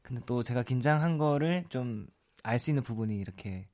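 A young man with a regional Korean accent talks as a guest on a radio show. His pitch sits in the middle. He speaks modestly and softly, and often laughs. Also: expressive, fairly quick. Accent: regional Korean dialect. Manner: modest, soft-spoken, laughs easily. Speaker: singer guest. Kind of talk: casual radio interview. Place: radio studio.

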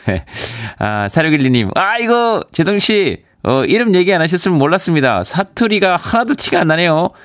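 In a radio studio, a man from Yeongcheon, South Korea, with a Daegu-Gyeongbuk dialect hosts a show, chatting casually and laughing easily as he reads listener messages. His high, very animated, fairly bright voice keeps a moderate pace with hardly any pauses. The studio microphone gives a dry, clean sound.

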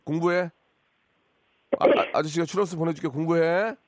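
A man hosting a phone-in radio show, teasing callers with deadpan banter. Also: fairly high pitch, moderate pace, no echo, clean studio sound. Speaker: radio host. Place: radio studio.

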